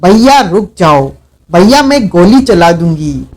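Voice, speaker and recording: A desperate young woman crying out pleas to stop, as a male audiobook narrator puts her on. Her voice rides high yet comes slowly, each cry drawn out. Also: big pitch swings, heavily acted. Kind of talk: audiobook character reading.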